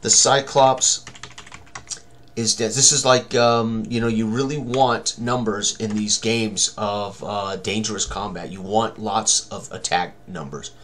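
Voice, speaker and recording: A man's voice: fairly low pitch, steady tone, measured pace, a bit bright, a little hiss or hum. An older man in his sixties hosts a casual tabletop combat tutorial, narrating each step in short fragments as he goes. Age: older, around 60s. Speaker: tabletop game designer and tutorial host. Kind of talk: casual tutorial commentary while rolling dice. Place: small room indoors at a computer.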